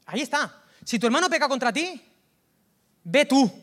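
A man with a Valencian Spanish accent, preaching a lively, colloquial sermon that swings from loud outbursts to hushed asides. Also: extremely high pitch, moderate pace. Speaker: pastor.

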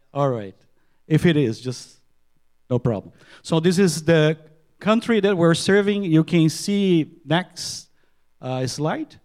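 A middle-aged man with a Portuguese-speaking accent, a missionary doctor giving an earnest church presentation with halting restarts and repeated words. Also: a little high, lively intonation, darkish tone. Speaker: missionary physician.

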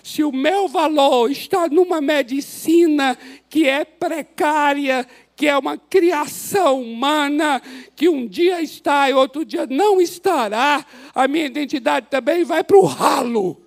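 A male pastor with a Brazilian Portuguese accent, preaching an impassioned sermon that swings from loud exhortation to soft, prayerful pleading in a church. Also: extremely high pitch, unhurried, creaky. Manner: impassioned, rises to shouts then drops to soft prayer. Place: church sanctuary.

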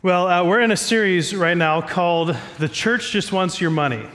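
A man's voice: high-pitched, moderate pace, fairly bright tone. Stuffy-voiced male pastor in a reverberant hall. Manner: conversational, self-joking. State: stuffy from a cold. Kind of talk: sermon. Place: church stage.

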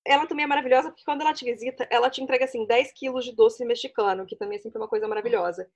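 A rapid-fire woman co-hosting a chatty podcast, her voice sitting a little high. She laughs easily and keeps the talk rolling. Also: fairly even intonation. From Brazil. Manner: chatty, laughs often, fast-talking. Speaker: podcast co-host. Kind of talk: casual chat.

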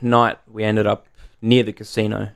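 A low-voiced man in his thirties with a gravelly, fry-heavy edge. He chats casually on a podcast, spinning relaxed stories and dropping the odd swear word. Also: a little fast. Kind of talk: casual chat.

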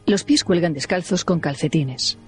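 A man's voice: fairly high pitch, faint music behind. Man narrating audio description. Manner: plain, measured, neutral.

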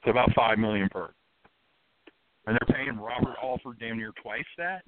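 Man, sports talk host, brisk questions, sarcastic, mid pitch, thin phone-like sound. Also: no echo. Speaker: show host. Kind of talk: sports radio panel talk. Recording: dry, phone-like narrow band.

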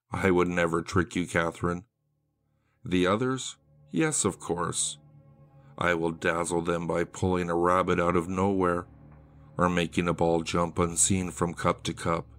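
A man voicing a smooth, eerie male street illusionist who talks softly and coaxingly in a horror story reading. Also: low voice.

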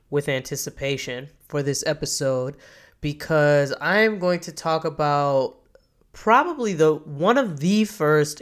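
Woman, 30s, podcast host with a cold: nasal and congested, smooth and clear, chatty and excited. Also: deep voice. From Kentucky, US. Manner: enthusiastic, chatty, self-correcting. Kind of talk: solo podcast monologue.

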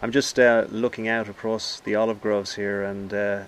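A man interviewing someone outdoors among olive groves, asking relaxed, open questions in a casual tone. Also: lowish voice, moderate pace, slight background noise. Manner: relaxed, short backchannels, asks open questions.

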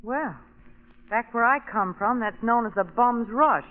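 A poised, inquisitive lady , played by a woman, high in pitch and lightly wry. She is outspoken in the manner of vintage radio drama. The noisy old recording is dull, with long reverb. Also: a little slow, natural voice. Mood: wry, curious. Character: poised, curious lady companion, frank and wry.

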